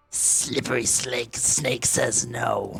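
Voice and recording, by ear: A man uses a put-on character voice. The sound is raspy. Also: medium pitch for a man.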